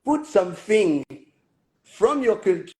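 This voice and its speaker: A man hosting a live online interview, talking in a halting way with many fillers and restarts. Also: sits high, big pitch swings, darkish tone. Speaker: host.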